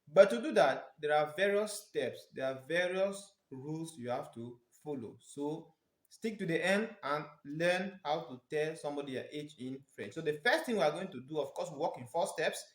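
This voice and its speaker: A man with a Nigerian accent teaching a language lesson in a didactic, emphatic way, repeating phrases slowly for pronunciation. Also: on the high side, animated. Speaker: French teacher. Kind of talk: instructional language lesson, step by step. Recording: echoey, reverberant room.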